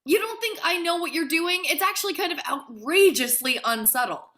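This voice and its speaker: Woman as an indignant grad student, high and bright. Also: animated, a little fast, exaggerated voice. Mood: incredulous. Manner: sarcastic, incredulous, cutting. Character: indignant young male grad student, proud and sarcastic. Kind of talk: dramatic table read.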